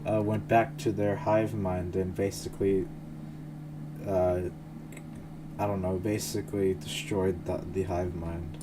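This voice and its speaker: A man's voice: sits low, level tone, measured pace, noisy background. A young man streaming a game, making offhand, profane wisecracks. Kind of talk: casual gaming commentary. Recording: voice over loud game music.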